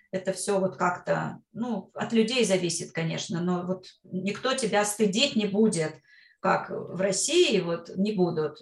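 The pace of this woman's speech is very slow. Her voice stays at a medium pitch. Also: ordinary pitch variation. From Russia, Kostroma. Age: 50s. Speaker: speech therapist and women's coach. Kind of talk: interview conversation.

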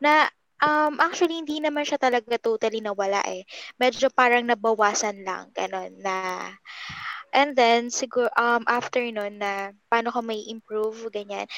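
A woman with a normal speaking voice talks at a moderate pace and fairly high pitch, with ordinary pitch variation, in a dry, close sound with no echo. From Marikina, Metro Manila, Philippines. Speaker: podcast co-host. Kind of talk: casual chat.

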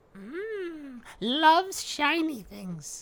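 Someone uses a put-on character voice with a high pitch. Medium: actual play. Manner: eager, fawning, repeats "yes".

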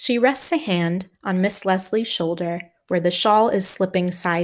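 Against a quiet background comes plain reading aloud with ordinary pitch variation.

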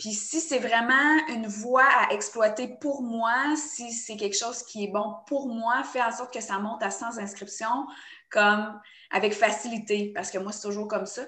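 In a Quebec accent, a woman speaks at a fairly slow pace with fairly high pitch. Room echo is audible. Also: ordinary pitch variation. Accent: Québécois French. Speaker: entrepreneur and wellness coach. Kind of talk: casual interview chat.

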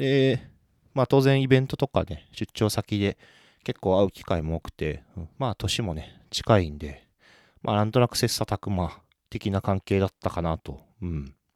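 A man with a fairly low pitch has an unremarkable speaking voice. He talks at a moderate pace with lively intonation. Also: big swings in loudness, very clean recording, silent background. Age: 30s. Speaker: brewer and podcast host. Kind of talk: casual solo monologue.

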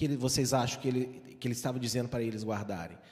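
A somewhat breathy male voice at medium pitch. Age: 40s. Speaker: pastor. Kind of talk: sermon.

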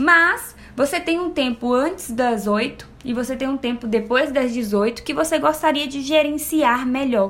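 A woman with a high pitch and ordinary pitch variation talks at a fairly slow pace with hardly any pauses, over noticeable background noise. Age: 30s. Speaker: podcast co-host, teacher. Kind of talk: casual educational chat.

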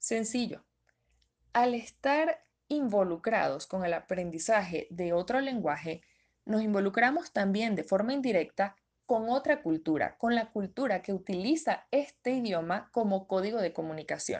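Against a quiet background, a woman with a normal speaking voice and medium pitch talks at a fairly slow pace with lively intonation. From Venezuela. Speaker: psychologist. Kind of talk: prepared explanatory talk.

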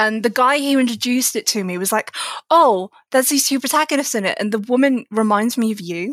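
Speaking at a fairly quick pace, a woman uses a high pitch with ordinary pitch variation. The sound is dry and close, with no echo. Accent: British. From UK. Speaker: gaming podcast host, guest. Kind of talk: casual chat.

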